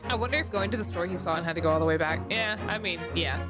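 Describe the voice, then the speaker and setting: A woman's voice: lowish voice, very fast. A tired woman streaming a game, chatting casually in a rambling, self-deprecating way. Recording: loud music behind. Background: music.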